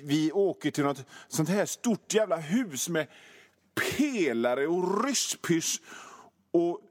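A man hosting a radio show, telling a rambling absurd comic story in a deadpan way, with mild swearing. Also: fairly high pitch, long reverb tail. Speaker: radio host.

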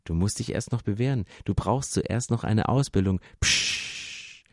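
A man doing belittling naysayers, hushing, low voice, dry. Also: normal speed, no echo, close to an everyday voice. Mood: reproachful. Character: scornful male crowd of naysayers.

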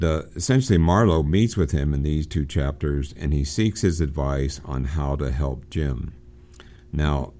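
A man with a very low, mellow voice teaching literature on a recorded program. He talks in an unhurried way, often pausing on fillers and restarting his sentences.

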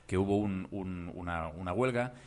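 A man who works as a voice actor, guesting on a podcast and telling stories in an animated way with lots of asides. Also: sits low, moderate pace, noisy background. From Germany. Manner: animated storytelling, many asides. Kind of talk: casual podcast interview.

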